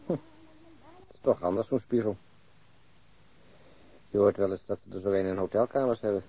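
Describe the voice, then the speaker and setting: An actor playing a droll, gossipy police detective in a radio drama, musing wryly in a conversational way. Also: male voice, fairly low pitch, moderate pace, breathy edge. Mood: amused, musing. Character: chatty, droll male police detective fond of food. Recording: dull radio drama recording.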